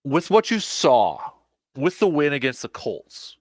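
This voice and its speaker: A man hosting a casual sports talk show, a little hoarse, animated, often repeating and restarting his words. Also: on the high side, unhurried, no room sound. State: slightly hoarse, losing his voice.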